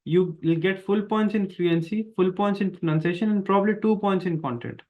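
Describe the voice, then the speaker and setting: A man's voice: high-pitched, brisk. A man with an Indian accent, an exam prep teacher explaining test tasks in an online lesson, speaking emphatically and repeating his key points. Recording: dull lo-fi sound.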